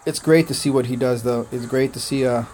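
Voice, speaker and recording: A man born in Korea whose first language was Korean, chatting casually on a game livestream, thanking viewers by name and filling pauses with "uh" and "man". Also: medium pitch, fairly even intonation, darkish tone, faint music behind. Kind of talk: casual gaming livestream chat.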